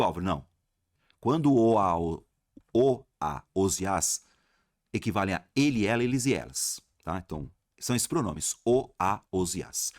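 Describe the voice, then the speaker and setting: A man with a Brazilian Portuguese accent teaching a lively exam-prep grammar lesson, talking straight to his viewers and asking himself questions. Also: mid-range voice, no echo, studio quality. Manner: animated, addresses viewers as "galera", asks himself questions.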